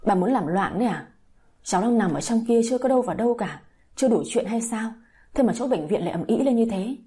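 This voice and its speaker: A woman's voice: on the high side, expressive, fast talker, warm tone, close to an everyday voice. A woman voicing a stern grandfather in an audio story who scolds his wife and then comforts her. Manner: stern, reproachful.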